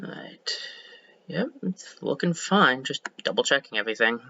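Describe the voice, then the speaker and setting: Bright, chatty game-streaming man. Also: medium pitch, animated, normal speed, muffled recording, a little hiss or hum. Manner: chatty, self-correcting, thinks aloud. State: a bit hoarse. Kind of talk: casual let's-play commentary.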